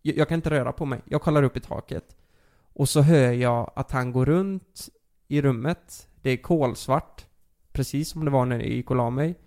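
A young man casually telling a story on a podcast, animated, with many fillers and curses. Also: medium pitch.

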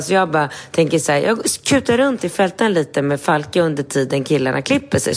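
A woman, co-hosting a casual podcast chat. She tells an animated story, acts out quotes in a high voice and swears casually. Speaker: podcast co-host.

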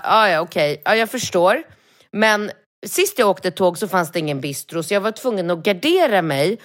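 A woman podcast host in casual chat, animated in her storytelling and swearing when worked up. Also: lowish voice.

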